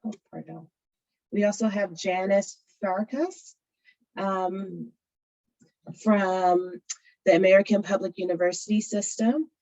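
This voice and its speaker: A woman's voice: fairly low pitch, dark tone, no room sound. A woman introducing the speakers as a panel moderator, friendly and stumbling over names. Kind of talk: formal introduction. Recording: dull, dry lo-fi audio.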